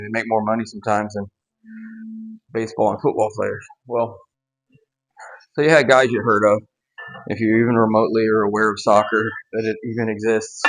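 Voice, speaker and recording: A man's voice: medium pitch, a bit bright, low-quality recording. Casual man teaching scripture, wry asides. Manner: conversational, wry, with asides and quick laughs. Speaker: Bible teacher. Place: home gym.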